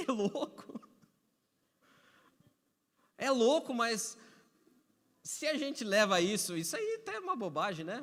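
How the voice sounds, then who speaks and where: A Brazilian pastor preaches a Sunday sermon in a church sanctuary, conversational and repetitive with touches of humor. His voice is high and fairly bright, and the hall adds echoey reverb.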